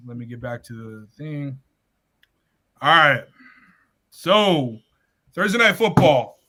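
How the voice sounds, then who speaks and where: A man's voice: fairly high pitch, sing-song, takes it slowly, bright, forceful tone. A man hosting a casual sports chat over an online call, upbeat and teasing, often correcting himself as he runs through the weekly picks. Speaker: host running weekly picks.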